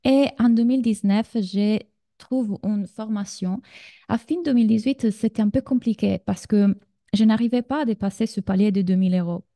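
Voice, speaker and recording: A woman in her thirties from Sardinia speaks French with an Italian accent as she runs a live business masterclass. Her voice is soft and warm, and the recording is dry, with no room sound. She talks in a chatty way and speaks straight to her listeners. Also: medium pitch, moderate pace, no echo. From Sardinia, Italy. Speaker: business coach.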